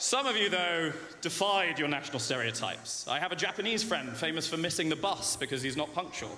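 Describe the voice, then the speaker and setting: A high-pitched man with a British accent at a fairly quick pace, lively intonation, audible room echo and light background noise. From UK. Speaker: MBA graduate class speaker; speaker. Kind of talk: graduation speech. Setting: stage with audience in a greenhouse. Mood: humorous, warm. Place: tent.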